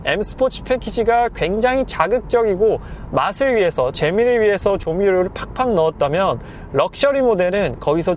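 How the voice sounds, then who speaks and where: Driving as he talks, a man reviews a car, explaining things in a measured, polite way. His high-pitched voice is slightly hoarse, as if his throat is clogged, and car and road noise come through clearly from inside the moving vehicle.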